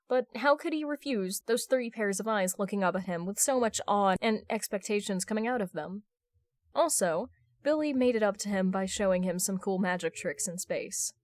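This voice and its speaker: A woman's voice: mid-range voice, no room sound, clean studio sound. A woman reading scripted fan fiction narration as an audiobook narrator.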